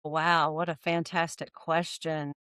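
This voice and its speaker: A middle-aged woman answering interview questions in a thoughtful, warm way, often checking in with "right?". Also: deep voice, little pitch movement, unhurried, smooth, no room sound, clean studio sound. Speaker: podcast guest.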